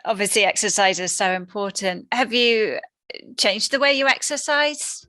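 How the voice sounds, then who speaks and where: Bright, dry-voiced woman interviewer. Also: medium pitch, expressive, moderate pace, no echo. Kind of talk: interview questions.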